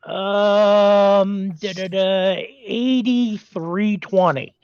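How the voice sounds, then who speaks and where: Very slow-talking player on a muffled mic. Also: medium pitch, steady tone, a little mellow, smooth, no echo. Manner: slow, hesitant, few words. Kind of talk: tabletop game play.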